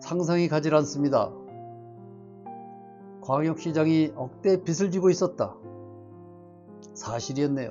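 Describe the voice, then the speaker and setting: Music plays in the background as a man with a fairly high pitch talks at a fairly slow pace, pausing long and often. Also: ordinary pitch variation. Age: 70s. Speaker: political commentary YouTuber. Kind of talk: emotional first-person political commentary.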